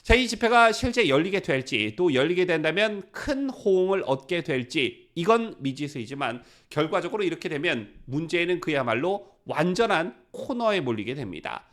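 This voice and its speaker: A man presenting political news commentary, his voice sitting fairly high and swinging widely in pitch. He keeps turning to the viewers with rhetorical questions. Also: sing-song, moderate pace, hardly any pauses, fairly bright tone.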